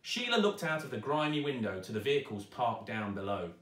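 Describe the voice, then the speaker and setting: A man narrating a children's story aloud with dramatic, expressive delivery, recorded in a roomy space at some distance. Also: medium pitch, brisk. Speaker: storyteller, actor reading aloud. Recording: roomy echo, distant microphone.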